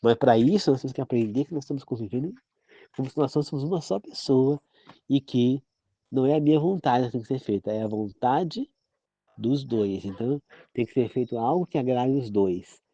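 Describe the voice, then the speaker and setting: A man's voice: medium pitch, brisk, dark tone, dry recording. A man from Brazil giving an informal, rambling sermon-style talk as a preacher, often checking "entendeu?" with his listeners. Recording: dull, dry, lo-fi sound.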